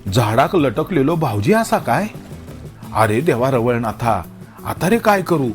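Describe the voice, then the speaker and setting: A man voicing a flustered middle-aged village aunt who speaks with a Malvani accent and scolds in a shrill, alarmed way. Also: sing-song, moderate pace, faint music behind. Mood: despairing.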